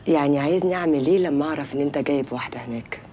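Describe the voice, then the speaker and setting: An actress playing a cold, scheming Egyptian wife who talks in a hushed, menacing way. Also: female voice, deep voice, rapid-fire, soft background music, close to an everyday voice. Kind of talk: film drama acting.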